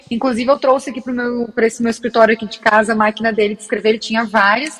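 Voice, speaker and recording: A woman talks with a Porto Alegre accent. Noticeable background noise runs behind her. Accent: Porto Alegre (gaúcho) accent, kept. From southern Brazil, Porto Alegre. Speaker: lawyer. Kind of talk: interview.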